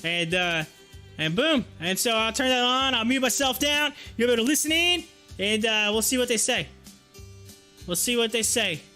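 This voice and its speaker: A man's voice: very high voice, lively intonation, normal speed, bright, forceful tone, soft background music. A man hosting a livestream with casual, chatty commentary, talking informally and directly to his viewers. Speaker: livestream host. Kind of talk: casual live stock-chart commentary.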